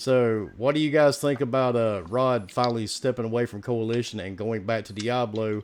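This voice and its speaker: Noticeable background noise sits behind a man with an American accent and a medium pitch. He speaks at a moderate pace with fairly even intonation and hardly any pauses. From US Northeast. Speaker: gaming podcast host. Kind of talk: casual live-stream podcast chat.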